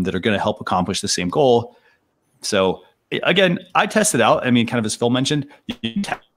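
Low-pitched guy hosting a live stream talk show, rambly, says you know a lot, on a video call. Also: fairly bright tone. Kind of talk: casual live-stream chat.

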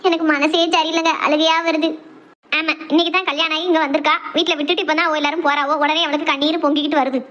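Shrill chattering women. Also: female voice, flat delivery, a bit bright. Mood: tearful. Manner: fast, high-pitched chatter. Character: young village women, bride and elders.

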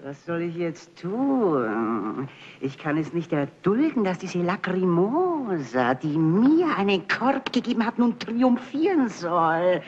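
A spiteful spirit of envy declaims in grand, theatrical style, slow and weighty. The recording is dull and dated, an old film soundtrack. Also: mid-range voice, big pitch swings, breathy edge, full character voice. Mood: bitter.

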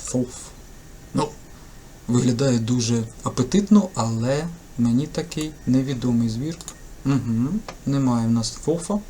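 A male English tutor, a native Ukrainian speaker, talks through test items in a lively, joking way. His voice sits in a middle pitch. A faint hiss runs under the desk-mic recording. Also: measured pace. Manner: lively, chatty, jokey teacher's explaining. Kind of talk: casual screen-recorded lesson commentary.

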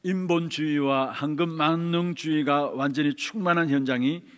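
A male pastor preaching emphatically in a church, pausing for his interpreter. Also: on the high side, fairly even intonation. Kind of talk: sermon with live interpretation. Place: church sanctuary. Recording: long church reverb.

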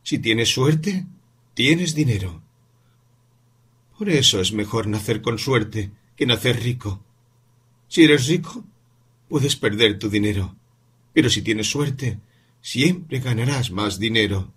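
In this storybook, a weary mother answers her child slowly, her words heavy with bitterness, as a man puts her on. The voice sits a little above a man's usual pitch and carries a breathy, husky edge. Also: lively intonation, fairly bright tone, heavily acted. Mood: bitter. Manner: slow, bitter, measured replies. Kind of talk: audiobook character reading.

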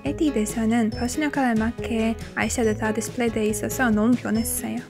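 A woman's voice: on the high side, fairly even intonation, a little fast, music in the background. A young woman narrating a beauty vlog as a voice-over. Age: young adult. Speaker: beauty vlogger.

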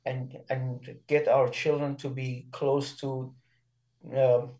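A man in his sixties, born in Iran and raised with Persian and Armenian as his first languages, speaks as an interview guest. His voice is mellow and dark, and he talks earnestly and haltingly, restarting his sentences often. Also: medium pitch, little pitch movement, rough recording. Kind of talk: casual interview.

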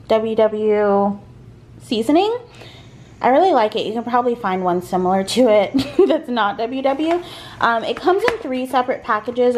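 A woman in her thirties chatting casually to camera from her living room, candid and talkative, with soft laughs now and then. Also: on the high side, slight background noise. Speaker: vlogger. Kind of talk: casual vlog chat. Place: living room at home, seated on a couch. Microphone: camera in front, close framing.

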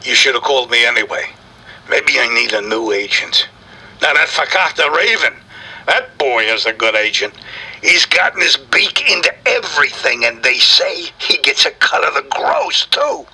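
An actor voicing a grumpy, touchy black cat celebrity with a raspy voice, griping and wisecracking in slangy style in a comic audio interview. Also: male voice, medium pitch, very animated, moderate pace, bright, forceful tone, full character voice, rough recording. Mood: sardonic griping. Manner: brash, slangy, sardonic showbiz griping.

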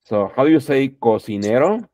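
A man's voice: medium pitch, very animated, moderate pace, mellow, no echo. A middle-aged man teaching English online, correcting students patiently and repeating "okay" through a headset. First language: Spanish. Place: home room, indoors.

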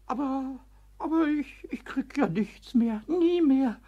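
A very high, wildly swooping voice of a small childish kobold in a children's radio play. The kobold is stubborn and excitable, whining, stammering and exclaiming with mischief. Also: slow pace, muffled recording. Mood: tearful, pleading. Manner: stammering, whiny, exclaiming, repeats words. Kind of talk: German children's audio drama acting.

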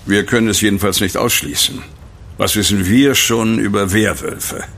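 An actor playing a thoughtful, tactful police inspector in a horror audio drama, speaking deliberately and tentatively. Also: male voice, fairly low pitch, fairly even intonation, fairly bright tone. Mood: pondering.

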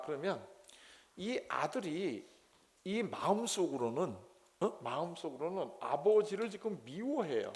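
A man giving a lecture on pastoral counseling. He asks the class questions and acts out scolding voices. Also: fairly high pitch.

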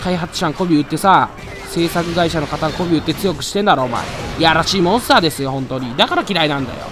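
A man giving excitable live gameplay commentary, loudly taunting and grumbling at the monster he is fighting. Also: fairly high pitch, fast. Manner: excitable, trash-talks the monster with rough taunts. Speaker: let's play commentator. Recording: loud game music behind voice. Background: game music.

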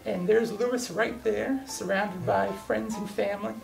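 A man in his thirties speaks as an enthusiastic archivist guiding an interviewer through stories. His voice has a lot of fry in it. He sounds off-mic, with music clearly playing behind him. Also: high-pitched, fairly even intonation, normal speed, recorded from a distance. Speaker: archivist and guide.

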